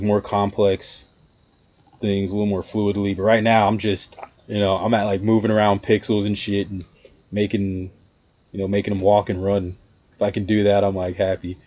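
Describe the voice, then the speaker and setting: A man's voice: on the low side, darkish tone, highs cut off. A man casually chatting with his viewers while reacting to a video, rambling, swearing freely and talking to the chat.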